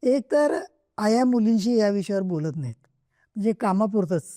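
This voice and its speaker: A middle-aged woman author, a guest on a podcast mic, answers interview questions earnestly and emphatically, often repeating points for stress. Her voice is medium in pitch, warm, and lively in intonation at a moderate pace, recorded dry with clean studio sound.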